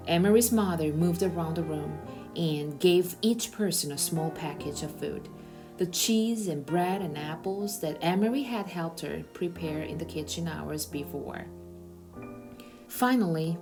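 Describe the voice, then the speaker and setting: A woman narrator reading a children's novel aloud in a storytelling style. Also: fairly low pitch.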